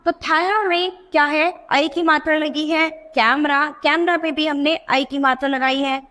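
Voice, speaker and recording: A woman teaching young children a reading lesson. She asks questions and answers them herself, and she stretches out words slowly to show the sounds. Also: sits high, fairly even intonation, bright, forceful tone.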